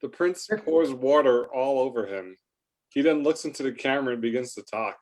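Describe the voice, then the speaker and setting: A man's voice: medium pitch, normal speed, poor audio. A man narrating stage directions from a script in an amateur staged reading.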